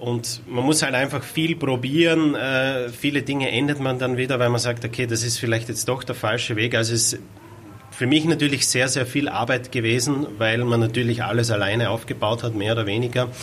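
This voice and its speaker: Through noticeable background noise, a man talks at a fairly quick pace with fairly even intonation. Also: medium pitch for a man. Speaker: head chef. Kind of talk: interview. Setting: in the restaurant.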